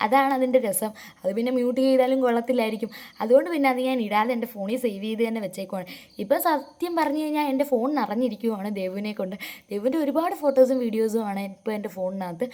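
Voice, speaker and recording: Fast-chatting Keralite woman vlogger. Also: a little high, darkish tone. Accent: Keralite Malayalam. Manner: chatty, rambling, frequent asides to viewers. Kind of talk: voice-over narration of a family vlog. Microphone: close voice-over mic.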